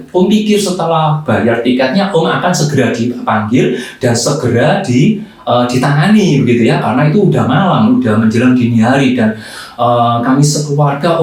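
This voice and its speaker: A man telling a Sunday school story for kids, animated and acting out voices, often tagging lines with "ya". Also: mid-range voice. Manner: animated, acts out voices, repeats "ya". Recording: echoey hall, distant mic.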